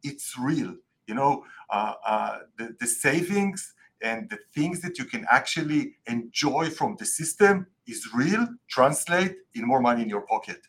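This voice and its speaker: Israeli man, halting with fillers. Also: medium pitch, animated, fairly bright tone, breathy edge. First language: Hebrew. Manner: many fillers, searching for words. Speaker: guest tax expert. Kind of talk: casual interview answers.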